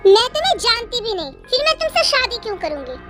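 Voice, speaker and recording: A high young voice doing a scared captive young woman, pleading, defiant, tearful edge, music behind. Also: sing-song, fast talker. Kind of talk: fan audio drama voicing. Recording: music bed under the voice.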